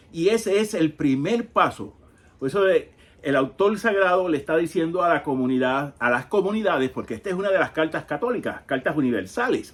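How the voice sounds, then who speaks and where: A man in his fifties, a Catholic catechist, teaching on a Bible reading in a conversational way, pausing often and asking rhetorical questions. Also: medium pitch.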